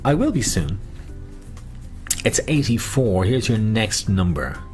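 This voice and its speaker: A low-pitched man works as a bingo caller over background music. His delivery swings up and down, mixing chatty asides with stretched-out numbers and their old nicknames. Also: big pitch swings. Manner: chatty, jokey, drawn-out number calls with nicknames. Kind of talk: bingo caller patter in a live online game.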